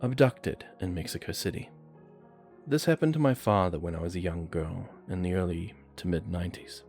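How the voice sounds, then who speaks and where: A man reading true horror stories aloud in a steady, measured storytelling manner. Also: low voice. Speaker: narrator. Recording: faint music behind voice.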